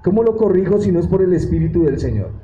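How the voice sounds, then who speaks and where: A man's voice: sits high, animated, fast talker, reverberant, lo-fi sound, noisy background. A man teaching a Bible study like a sermon, acting out prayers and asking the congregation questions. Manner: preachy, acts out quoted prayers and asks the congregation questions.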